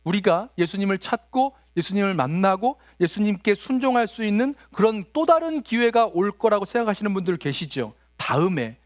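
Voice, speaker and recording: A man's voice: high-pitched, sing-song, brisk, few pauses, no room sound, studio quality. A male pastor preaching a sermon, earnest and rhetorical, often putting questions to the congregation.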